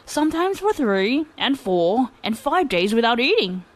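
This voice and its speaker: A woman's voice: fairly high pitch, big pitch swings. Woman voicing a lazy, haughty young man. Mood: drawling. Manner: slow, drawling, loud and haughty. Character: lazy, arrogant young man lounging idle.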